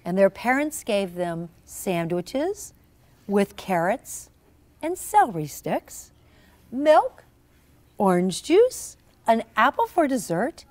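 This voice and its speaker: A woman reading a children's story aloud to young listeners in an animated, teacherly way, prompting them with questions. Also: mid-range voice. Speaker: storyteller reading own children's book to a class. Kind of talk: interactive children's read-aloud.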